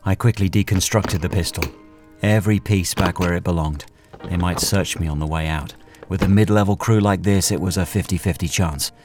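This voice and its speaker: A man narrating a first-person assassin thriller in terse, deadpan, clipped phrases. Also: sits low, fairly quick, over music.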